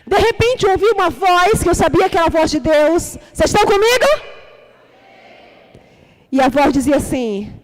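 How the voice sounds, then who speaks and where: A woman with a Brazilian Portuguese accent preaching a sermon at a church service, emphatic and repetitive, rising to shouts. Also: very high voice, expressive, normal speed, pauses often.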